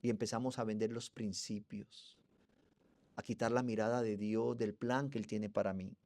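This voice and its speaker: A man's voice: fairly low pitch, steady tone, moderate pace, darkish tone. A Colombian pastor with a Colombian accent preaching an expository sermon with fervor, calling out to his congregation as brothers. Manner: fervent, addresses the congregation as brothers.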